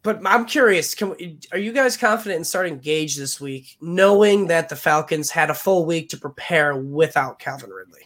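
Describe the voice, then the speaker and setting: A man's voice: on the high side, expressive, moderate pace, hardly any pauses, a bit bright. Nasal-voiced man, podcast co-host. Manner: hedging, lots of "I mean". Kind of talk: casual podcast chat.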